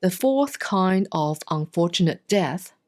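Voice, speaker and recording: A woman reads a Buddhist sutra aloud in a solemn, scripted style, with measured, deliberate enunciation and long pauses. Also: fairly low pitch, animated, darkish tone. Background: instrumental music.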